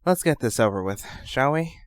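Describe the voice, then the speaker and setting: Young mystic hero, male actor: mid-pitched, easygoing, well-spoken, very dry recording. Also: animated, normal speed, dry recording, lightly acted. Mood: breezy. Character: concerned, easygoing young male sorcerer sidekick. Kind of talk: amateur audio drama acting.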